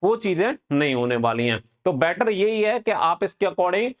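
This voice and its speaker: A man's voice: high voice, animated, moderate pace. A man giving an informal, advisory exam update as a coaching host, mixing in English words.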